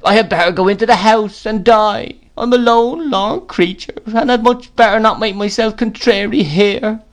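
A man's voice: high voice, voice pushed up. A man putting on a whining, self-pitying old widow. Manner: whining, drawn-out and tearful.

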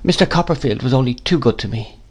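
A man's voice: medium pitch, animated, fast, slightly rough. A man voicing a meek young widowed mother who answers faltering and apologetic. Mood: timid.

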